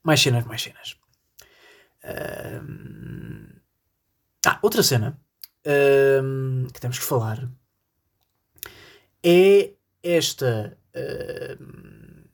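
Podcast host: husky, rambling, jokey solo bit aimed at the listeners. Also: medium pitch. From northern Portugal. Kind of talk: solo comedic podcast monologue.

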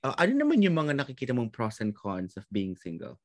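Filipino male interviewer, casual Taglish, animated pitch, dry close sound. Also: quick pace, dry recording. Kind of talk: casual conversational interviewing in Taglish, mixing Tagalog and English.

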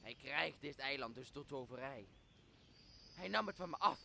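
A young man, a student actor in a radio play, playing a servile, spiteful island monster with a creaky voice. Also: mid-range voice, animated, moderate pace, pushed and bright, a little hiss or hum, full character voice. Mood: fawning, pleading. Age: young adult. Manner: grovelling pleas and spat insults. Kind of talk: amateur radio drama acting.

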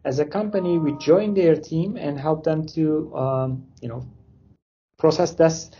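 A man's voice: a little high, steady tone, a little slow, mellow, highs cut off, a little hiss or hum. A man from Turkey speaking English, answering interview questions casually with loose phrasing and many fillers. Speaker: interview guest, company founder.

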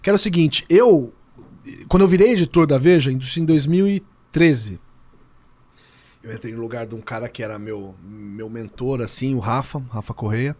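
A Brazilian man in his thirties, a sports journalist guest on a podcast, telling stories in a lively, casual way and swearing freely. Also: mid-range voice, moderate pace. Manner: lively storyteller, swears casually, acts out dialogue.

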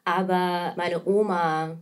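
This anti-racism activist and trainer, a Kazakh woman in her thirties who grew up speaking Russian, chats in Russian-accented German as a podcast guest in a casual interview. Her voice is lowish and level, slow-paced, clear, and resonant.

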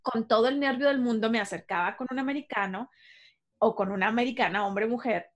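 A woman's voice: on the high side, brisk. A woman hosting a casual interview, telling stories animatedly and laughing at herself. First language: Spanish. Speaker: host.

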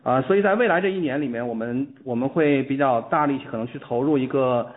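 A man, a company executive, answering questions on an earnings call in a halting way, often restarting phrases. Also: mid-range voice. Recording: muffled narrowband phone line.

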